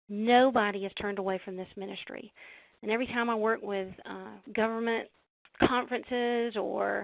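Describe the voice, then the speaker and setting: Her voice is medium-pitched and fairly even in intonation, a woman speaking. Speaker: respite program director. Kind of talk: webinar presentation. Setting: online webinar. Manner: fast.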